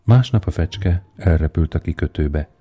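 A man narrating a fairy tale in a calm, measured storytelling way. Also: low-pitched, slightly rough.

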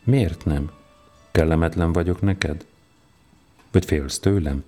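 A man reading a stern, deep-voiced Roman governor. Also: warm tone, soft background music. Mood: commanding. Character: stern powerful older male Roman governor.

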